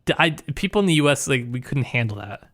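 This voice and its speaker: Male co-host, medium pitch, casual literary chat, jokey and slightly halting phrasing. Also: big pitch swings, fairly bright tone. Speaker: podcast co-host. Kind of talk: casual book discussion chat.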